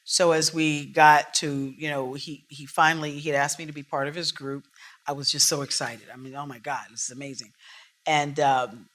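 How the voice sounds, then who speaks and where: A jazz singer from Oakland, California, a woman telling stories from her career as a podcast guest, animated and lively. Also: sits low, moderate pace. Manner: animated storyteller, acts out quotes. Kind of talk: storytelling interview talk.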